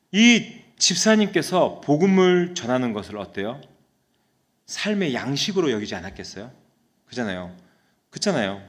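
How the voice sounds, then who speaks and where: A man preaching from the pulpit of a church during a live service, his pitch swinging high and low as he tells a story. He keeps turning to the congregation with quick questions, and his voice sits in a middle register. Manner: lively storytelling, often asks the congregation questions. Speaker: senior pastor. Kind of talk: sermon.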